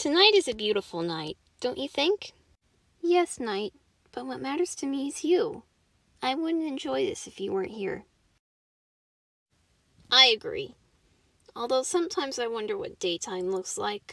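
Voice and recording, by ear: Doing a cartoonish character voice, a woman speaks fairly slowly with long, frequent pauses, a fairly high pitch with big swings, a fairly bright tone and vocal fry, in a dry, close sound with no echo.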